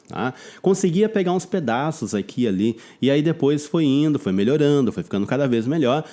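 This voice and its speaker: A man's voice: medium pitch, warm tone. Chatty Brazilian man teaching English. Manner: chatty, loose, drawn-out English examples. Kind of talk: casual video lesson.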